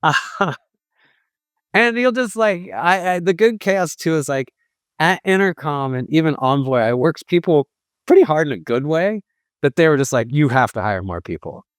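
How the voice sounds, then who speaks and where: A man's voice: a little high, lively intonation, normal speed, no room sound. Casual man interviewee, dry close sound. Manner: informal, emphatic, often quotes imagined dialogue. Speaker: startup sales executive being interviewed. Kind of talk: casual conversational interview answers.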